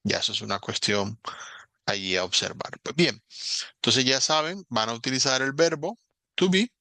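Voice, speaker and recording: A man's voice: mid-range voice, moderate pace, sharp tone, no room sound. A man teaching English grammar in a recorded lesson, explaining patiently, repeating example words and checking in with his students.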